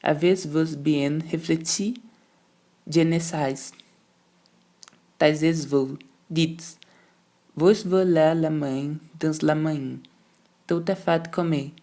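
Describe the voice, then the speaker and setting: A student reader voicing a prim, stern French governess who speaks slowly and emphatically with a put-on French accent, for an amateur audiobook. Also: medium pitch, fairly even intonation, warm tone. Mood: stern, triumphant. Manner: slow, emphatic, syllable by syllable.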